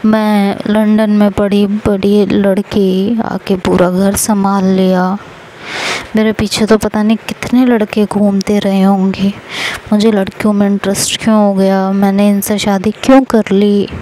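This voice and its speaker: A woman storyteller voicing a tearful, gentle young daughter-in-law who keeps apologizing. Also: medium pitch, little pitch movement, measured pace, a little hiss or hum, natural voice, low-quality recording. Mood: earnest.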